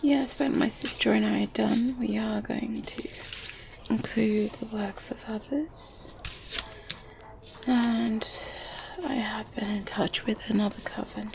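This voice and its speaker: A woman whispering and speaking softly in an intimate ASMR roleplay, playing a kindly witch close to a binaural mic. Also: fairly high pitch, fairly even intonation, gravelly, noisy background. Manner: slow, hushed, intimate, deliberate. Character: kindly good witch mentoring a baby witch. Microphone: close binaural microphone.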